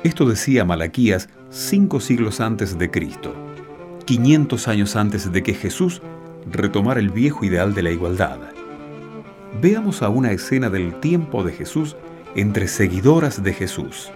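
A man narrating a scripted religious radio play in a measured storytelling manner. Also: on the low side, very animated. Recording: clear music bed behind the voice.

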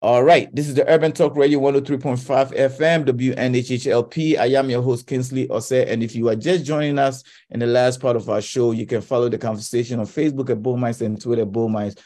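A man's voice: medium pitch, fairly even intonation, a little fast, hardly any pauses, warm tone. A man hosting a radio talk show, giving impassioned commentary with stumbling restarts.

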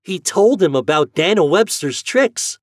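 A man's voice: sits high, lively intonation, unhurried, no room sound, studio quality, pitched above the performer's own voice. A man voicing an eager, jolly farm boy in a storybook, speaking in rustic old-time country dialect. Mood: eager, boastful. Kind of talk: storybook character voice.

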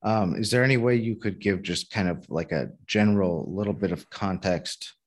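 A man's voice: on the low side, moderate pace. A man hosting an interview, asking loose, rambling questions that he corrects as he goes. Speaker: podcast host.

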